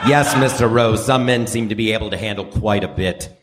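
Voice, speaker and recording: A man playing a smug, insinuating police officer in a comic radio play, with a measured, mock-official manner. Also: fairly low pitch, close to an everyday voice. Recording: noisy live theater stage recording.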